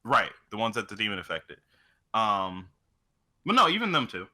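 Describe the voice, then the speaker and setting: A podcast co-host with a lowish, sharp-toned voice that swings widely in pitch chats casually about video games at normal speed. He tells stories in a loose, informal way, with some mild swearing.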